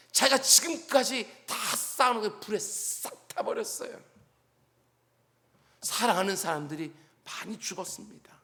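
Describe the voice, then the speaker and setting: A man's voice: high voice, vocal fry, pushed and bright. A male pastor giving an early-morning sermon, earnest and preaching with rhetorical questions to the congregation. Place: church sanctuary.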